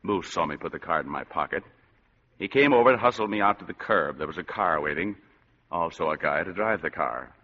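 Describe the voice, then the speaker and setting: A man's voice: deep voice, lively intonation, fairly quick, pushed and bright. A man narrating and playing a hard-boiled detective in 1940s radio style, wisecracking and tough. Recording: dull old radio recording, long reverb, faint music.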